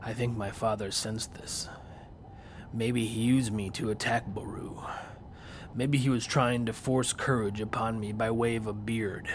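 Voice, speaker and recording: An actor playing a grave warrior, telling his own story in a solemn, hushed first-person narration. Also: lowish voice, fairly even intonation, measured pace, a little hiss or hum, close to an everyday voice. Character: grave Viking warrior man recounting his past.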